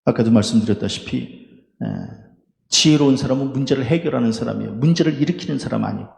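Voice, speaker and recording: A man's voice: medium pitch, vocal fry. A male pastor preaching a sermon, asking the congregation questions, answering them himself and laughing briefly between points. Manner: lively preaching, rhetorical questions, quick laughs. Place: church sanctuary. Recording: echoey church hall with long reverb.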